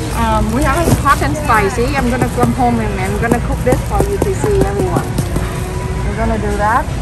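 Loud music plays in the background as the speaker keeps a moderate pace with long, frequent pauses. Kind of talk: casual vlog chat. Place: shop. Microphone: phone near.

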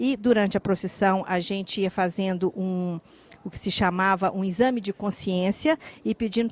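Medium-pitched female voice with ordinary pitch variation, in a dry sound with no echo. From Brazil, Minas Gerais (Lagoa Santa); Minas Gerais, Brazil. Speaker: storyteller sharing a personal memory. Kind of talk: personal storytelling. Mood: nostalgic, gently humorous. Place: booth. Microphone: handheld.

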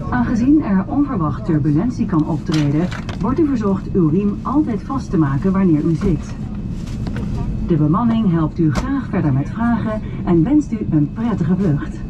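A woman keeps a moderate speed while noticeable noise carries on in the background. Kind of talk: safety announcement. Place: plane.

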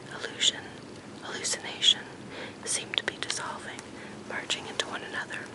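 Someone whispers, leaving long, frequent pauses. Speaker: reader. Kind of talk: whispered reading aloud for relaxation. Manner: soft-spoken, hushed whisper; slow, calm, dreamy pace. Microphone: phone near.

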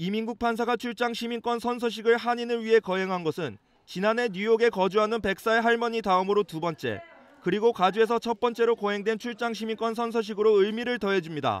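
A man with a high pitch talks at a fairly quick pace and fairly even intonation, in a dry, close sound with no echo. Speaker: news reporter. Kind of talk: TV news report narration.

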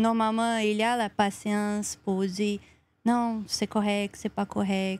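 A woman with a Portuguese accent, fairly high in pitch, very slow and monotone, on a very clean recording with a silent background. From Brazil. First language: Portuguese (speaking French). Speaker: immigrant worker. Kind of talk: casual interview. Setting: outdoors by a lake. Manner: halting, searching for words.

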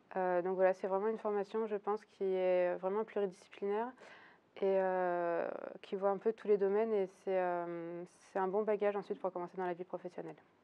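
A woman's moderate-paced speech in monotone, flat intonation. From southern France, Nîmes. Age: 20s. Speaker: master's student. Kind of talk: testimonial interview. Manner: halting, hesitant. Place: hall. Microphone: lapel.

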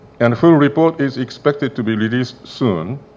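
Ordinary pitch variation marks this man's speech. He keeps a moderate pace. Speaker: guest. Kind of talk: formal address. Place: hall. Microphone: podium.

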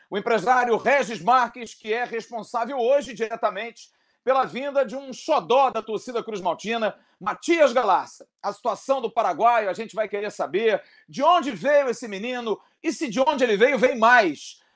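A man speaks at an extremely high pitch and a moderate pace. The background is quiet. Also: ordinary pitch variation. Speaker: sports channel host. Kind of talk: live show opening commentary. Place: home room. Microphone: earbuds.

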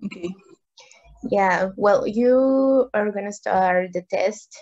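Little sound intrudes behind this speaker. Their intonation stays fairly level. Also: woman. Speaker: English teacher. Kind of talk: online lesson talk to students. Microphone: webcam.

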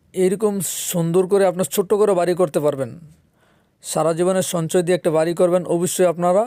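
A man's high-pitched voice, dark and mellow in tone, with fairly even intonation. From Bangladesh, Cumilla (Chandina). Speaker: construction video blogger. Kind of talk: casual vlog address to viewers.

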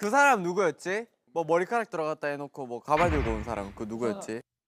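Music plays in the background. A man talks at a fairly quick pace with very wide pitch swings. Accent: Gyeongsang. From Daegu, Gyeongsang region. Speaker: K-pop idol singer. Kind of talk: casual variety show talk.

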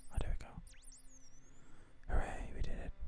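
With music in the background, a man whispers in a relaxed tone. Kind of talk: gaming ASMR commentary. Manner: whispered, relaxed.

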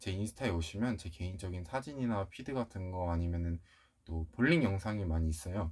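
Against a quiet background, a man is heard speaking. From South Korea, Seoul. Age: 20s. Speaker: bowler and YouTuber; YouTuber. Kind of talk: Q&A vlog. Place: home room.

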